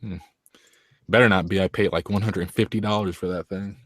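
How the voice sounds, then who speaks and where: Low-voiced man, dry close sound. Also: steady tone, a little fast, dry recording. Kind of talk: casual gaming chat.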